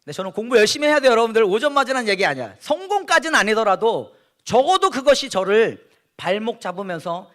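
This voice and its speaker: A man's voice: high-pitched, quick pace. A man in his thirties preaching to a church youth group, telling stories and asking the audience questions. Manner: animated storytelling, asks the audience questions, laughs along. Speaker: guest preacher. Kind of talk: lively sermon to a youth congregation. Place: church sanctuary.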